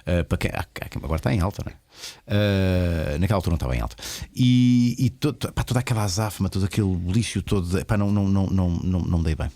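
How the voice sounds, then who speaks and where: Lisbon-accented male host, low voice, quick, animated, teasing and rambling. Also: no room sound. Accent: Lisbon Portuguese. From Portugal. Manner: teasing, rambling, uses filler "pá". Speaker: podcast host. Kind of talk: casual interview chat.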